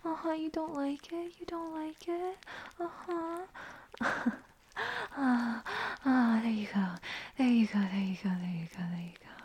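A young woman performing a whispered audio roleplay, voicing an anxious, apologetic young woman who soothes a crying partner in hushed, repetitive murmurs. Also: sits high, fairly even intonation, measured pace, husky. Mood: hushed, soothing.

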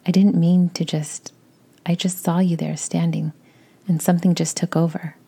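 A woman voicing a nervous adult son in a whispered audio story, barely changing her own low, dark, breathy voice. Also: little pitch movement, normal speed. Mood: sheepish.

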